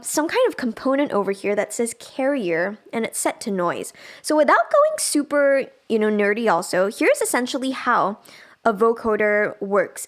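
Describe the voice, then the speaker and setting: A woman trainer teaching music production in a casual, chatty livestream style, thinking aloud as she demonstrates. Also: on the high side. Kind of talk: casual livestream software tutorial.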